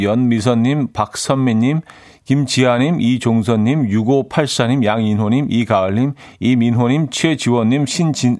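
A man hosting a morning music radio show, chatting in a relaxed way with many small fillers and reading out listener messages in a studio. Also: medium pitch. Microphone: studio microphone.

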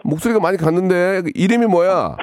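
A man hosting a live radio call-in show, joking bluntly with callers and moving briskly from one to the next. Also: sits high, darkish tone, clean tone, dry recording, clean studio sound.

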